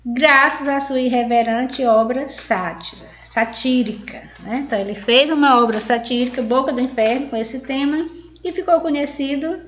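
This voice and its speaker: A woman's voice: on the high side, reverberant. A Brazilian woman teacher giving a grammar lesson to adult learners, spelling out examples one by one and often adding "né?". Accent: Brazilian Portuguese. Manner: slow, spells out examples word by word, frequent "né?" tags.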